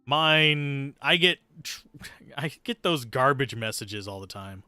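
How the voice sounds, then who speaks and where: Male game streamer, bright forceful voice, dry close sound, casual commentary, sardonic, self-deprecating, sweary. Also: medium pitch, expressive, slow pace, clean tone, no echo, faint music behind. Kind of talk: casual live gameplay commentary, chatting with viewers.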